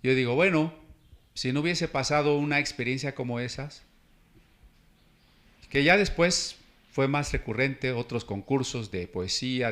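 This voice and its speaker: A man's voice: medium pitch, fairly bright tone. Man preaching in a conversational tone. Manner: conversational preaching with frequent "¿no?" asides and personal anecdotes. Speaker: pastor. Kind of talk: sermon.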